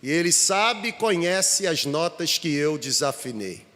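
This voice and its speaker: A man's voice: a little high, lively intonation, measured pace, sharp tone, voice pushed down. A Brazilian man preaching in church, voicing an earnest, tearful twelve-year-old boy. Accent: Brazilian Portuguese. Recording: reverberant church hall.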